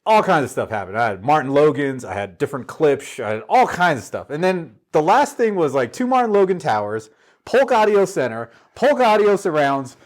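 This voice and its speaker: A man chatting casually through a home theater walkthrough in his living room, telling it in a rambling, animated, slangy way. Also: a little high, normal speed. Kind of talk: casual gear walkthrough chat.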